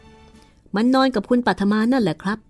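An earnest, deferential male house servant explains himself in a raised, eager voice, read by a hoarse woman. His tone is respectful and insistent. Faint music plays beneath. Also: fairly high pitch, moderate pace, voice pushed up, lightly acted. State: hoarse from a cold.

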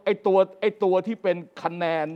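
Quick, high-voiced older man talking politics. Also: highs cut off. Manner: quick, animated, recites vote counts, repeats himself. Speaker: political talk show host. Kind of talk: casual political analysis chat.

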